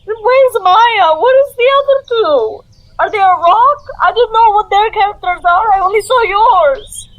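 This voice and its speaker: A woman playing a distraught, confused young female adventurer in a tabletop game, halting and repeating herself as she talks. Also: extremely high pitch, rough recording. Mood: tearful confusion.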